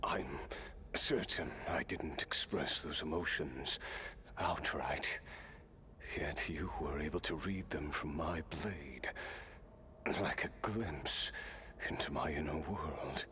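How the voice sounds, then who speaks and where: A grave, tormented immortal warrior from a fantasy game. His voice is extremely deep and slow, with a forceful edge. He speaks formally and dramatically, like someone weary of an endless life. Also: slight background noise, full character voice. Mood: intrigued, reflective. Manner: measured, formal, dramatic delivery. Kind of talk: scripted video game voice acting.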